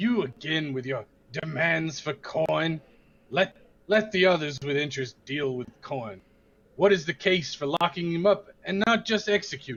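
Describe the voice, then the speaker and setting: A man does a put-on character voice with a fairly high, rumbling pitch. His intonation is lively, and his pace is moderate. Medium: actual play. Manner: grumbling, reluctant.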